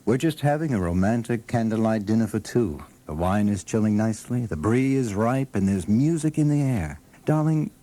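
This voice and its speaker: The velvety, low-voiced gentleman murmuring over candles and wine in a comedy skit, played by a male actor. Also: expressive, moderate pace, hardly any pauses, close to an everyday voice. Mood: romantic, suave. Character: suave romantic man at a candlelit dinner. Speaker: character on a comic answering machine message. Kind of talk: acted comedy sketch.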